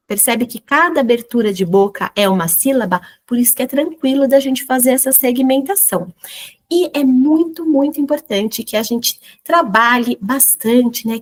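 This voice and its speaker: A woman with a Brazilian accent, her voice sitting a little high, leads a recorded training lesson for teachers. She explains things patiently, asks rhetorical questions, and slowly sounds out example words syllable by syllable. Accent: Brazilian Portuguese. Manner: didactic, addresses teachers directly with rhetorical questions.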